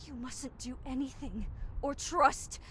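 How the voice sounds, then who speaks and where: Game role, loyal young friend: high voice, urgent, protective, faint background noise. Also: female voice, steady tone, takes it slowly, fairly bright tone. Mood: grave, warning. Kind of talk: dramatic video game acting.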